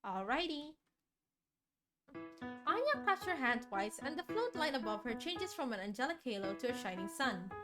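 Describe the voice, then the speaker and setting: High girly-pitched woman streamer reading a visual novel out loud, super lively, music behind her. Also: moderate pace. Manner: animated, reacts and questions aloud as she reads. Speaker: game streamer. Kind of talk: livestream read-aloud of a visual novel with casual asides. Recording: background music under the voice.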